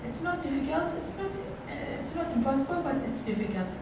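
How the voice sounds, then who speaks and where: Woman, middle-aged, high voice, motivational workshop talk, echoey conference room, far-off camera, noisy. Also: animated, brisk. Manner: earnest, repeats phrases, many fillers. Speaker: workshop speaker. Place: large hotel conference room.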